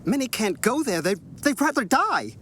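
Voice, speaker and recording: An actor playing a polite, formal gentleman appealing for charity in a theatrical radio drama. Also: extremely high pitch, sing-song, normal speed, a little hiss or hum, heavily acted. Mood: imploring. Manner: formal, courteous, imploring.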